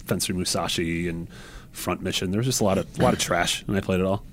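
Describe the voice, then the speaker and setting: Rapid, lowish-voiced man chatting on podcast. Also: a little hiss or hum. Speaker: podcast panelist. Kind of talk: casual group podcast chat.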